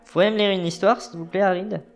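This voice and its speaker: A man's voice: sits high, fairly even intonation, fast talker. A man doing a cheeky, sarcastic boy hero.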